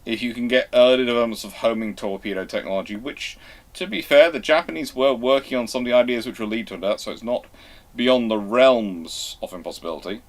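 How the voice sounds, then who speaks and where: A man with a mid-pitched voice hosts a live question-and-answer talk. He explains things emphatically, often stopping to repeat and rework a phrase before carrying on. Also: fairly quick. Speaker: host answering viewer questions.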